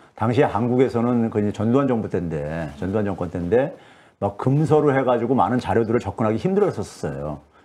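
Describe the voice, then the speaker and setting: A man speaks at a very fast pace, his pitch swinging very widely. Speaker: professor and party co-leader hosting the show. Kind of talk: political interview talk show. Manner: halting, many filler words. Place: studio. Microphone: lapel.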